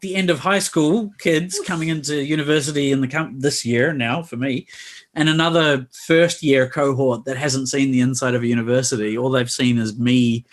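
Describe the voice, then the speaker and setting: A man's voice: medium pitch, steady tone, normal speed. A man from Australia chatting wryly over a video call at a party, rambling and joking. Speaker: party guest. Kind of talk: casual chat on a video call.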